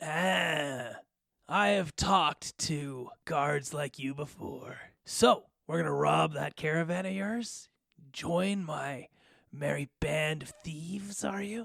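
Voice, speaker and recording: Using a put-on character voice, a man growls in a raspy tone at a very slow pace. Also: fairly high pitch for a man. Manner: savage, sardonic, mocking.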